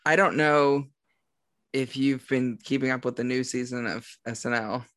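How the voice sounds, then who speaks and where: A man's voice: mid-range voice, level tone, a bit bright, no room sound. Young male podcast co-host, wisecracking and loose, dry close sound. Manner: joking, quick banter. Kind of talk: casual chat.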